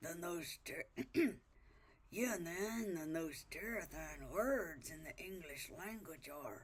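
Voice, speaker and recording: A woman puts on a cartoonish character voice in an American accent, speaking at a very slow pace with a fairly low pitch. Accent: American stoner drawl. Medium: puppet. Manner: laid-back, slow.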